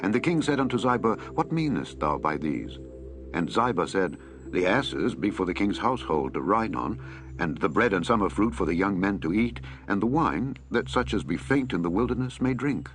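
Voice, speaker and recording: A man reading scripture aloud in a measured, solemn way. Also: sits low, very animated. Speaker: Bible reader. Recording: reading over clear background music.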